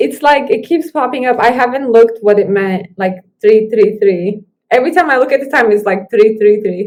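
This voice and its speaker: A woman with a Turkish accent, fairly high in pitch, at a moderate pace with ordinary pitch variation. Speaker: basketball player's wife, influencer. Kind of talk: casual chat.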